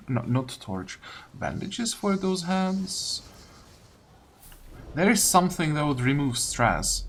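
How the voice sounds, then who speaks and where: A man giving casual let's-play commentary, thinking aloud as he deliberates over his choices. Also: mid-range voice, fairly bright tone. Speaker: gamer commentating his playthrough. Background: faint game music.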